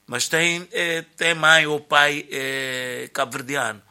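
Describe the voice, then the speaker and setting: A man's voice: a little high, slow, clear, resonant tone. An older man, commenting on football in a radio debate, telling stories and searching for words. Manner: animated storyteller, searching for words. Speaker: sports commentator.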